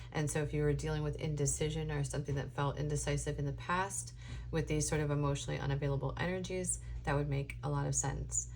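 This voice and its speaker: A woman giving a casual spoken tarot reading, her voice going hoarse, meandering and thinking aloud with many ums. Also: sits low, a little mellow, slight background noise. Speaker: tarot reader.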